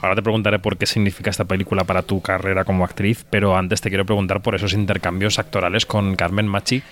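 Quick-talking male film interviewer. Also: low voice, flat delivery, fairly bright tone. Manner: long, fluent, well-formed questions. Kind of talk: interview questions.

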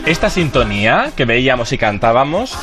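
A man's voice: medium pitch, sing-song, normal speed, music in the background. A man chatting on a radio show. He explains with many restarts and asides. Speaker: radio television commentator. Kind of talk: lively radio chat. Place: radio studio.

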